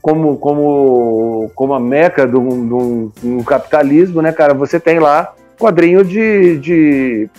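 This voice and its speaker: A man in his fifties with a Brazilian accent, a comics publisher appearing as an interview guest, talks casually and at length, often tacking on tag questions to get agreement. His voice is fairly high and dark-toned, moving slowly with hardly any pauses. The lo-fi recording carries faint music in the background.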